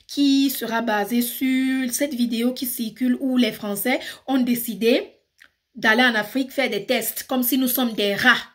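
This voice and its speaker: A woman with a Cameroonian accent, ranting passionately in a casual vlog and switching between French and English. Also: a little high. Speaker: YouTuber. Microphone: phone.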